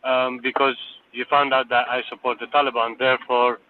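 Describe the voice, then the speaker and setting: A man's voice: mid-range voice, little pitch movement, brisk, slight background noise. Insistent man on a tinny phone line. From Afghanistan. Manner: insistent, lecturing, repeats words when interrupted. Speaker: speaker in a live audio room. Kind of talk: heated debate.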